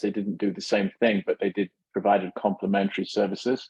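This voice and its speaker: A fairly low-pitched man's voice with a British accent. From UK. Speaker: company CEO. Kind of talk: podcast interview. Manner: halting, many fillers.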